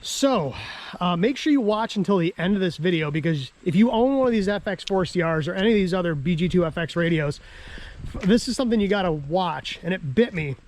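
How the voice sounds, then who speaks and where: An American man, out of breath after a hike, vlogging outdoors in a chatty, self-deprecating way and clearing his throat often. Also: sits high, lively intonation, fairly quick, a little mellow. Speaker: ham radio vlogger. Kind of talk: casual outdoor vlog. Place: outdoors on a dam in a park.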